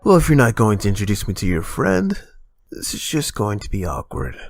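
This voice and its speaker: An actor playing a frank young crime-fighter in a comic-book audio drama, conversational and wry. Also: male voice, on the low side, wildly swooping pitch, brisk, faint music behind, exaggerated voice. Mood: probing, casual.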